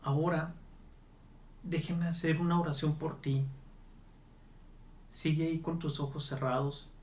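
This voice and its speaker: Male evangelist, fairly high voice, earnest pleading delivery for a televised Bible study and prayer. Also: fairly even intonation, measured pace, darkish tone. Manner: earnest, pleading, speaks straight to the listener. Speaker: evangelist pastor.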